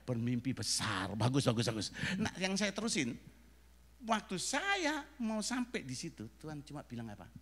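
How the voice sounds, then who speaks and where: Lively man preaching in an echoing hall. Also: fairly high pitch, normal speed. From Indonesia. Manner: animated, joking storyteller with laughs and shouted amens. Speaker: pastor. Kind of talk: sermon. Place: church sanctuary. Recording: reverberant church hall.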